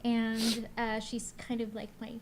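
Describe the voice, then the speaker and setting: A woman from the Philippines, chatting casually as an interview guest and telling stories in an animated way. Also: a little high, measured pace, background noise. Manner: animated storytelling, acts out quotes.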